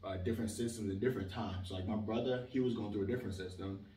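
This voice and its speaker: Young male guest, low pitch, animated casual talker, distant mic with room echo. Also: quick pace. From Israel. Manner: animated, emphatic, leans on filler "like". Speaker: interview guest. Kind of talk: casual conversational interview. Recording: roomy sound, mic at a distance.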